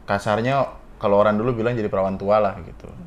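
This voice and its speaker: A young man tells a story in a casual co-hosted chat. He talks in slang with quick asides. He often restarts his sentences. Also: on the low side, fairly even intonation, muffled recording, slight background noise.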